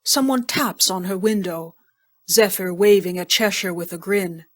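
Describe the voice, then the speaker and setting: A woman's voice: mid-range voice, unhurried. A woman narrator reading scripted scene headings and action for an audio drama.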